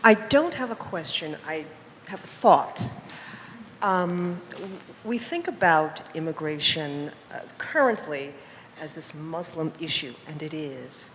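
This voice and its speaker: A woman rises from the audience to make an impassioned comment, driving it with rhetorical questions. Her pitch swings widely, and the long hall reverb carries a faint room ambience behind her. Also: lively intonation, slow, fairly bright tone, slight background noise. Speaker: audience member.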